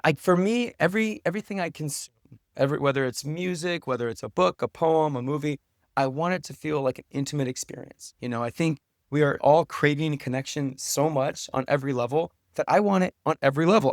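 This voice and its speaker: A man's voice: a little high, fast, dry recording, clean studio sound. A man speaking earnestly and thoughtfully as a podcast guest in a reflective interview conversation. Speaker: podcast guest, writer and teacher.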